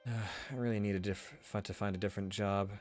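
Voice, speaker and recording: A man's voice: on the low side, fairly even intonation, a little slow, faint music behind, close to an everyday voice. A man voicing a world-weary, grumbling detective of thirty in a visual novel. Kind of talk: visual novel character reading.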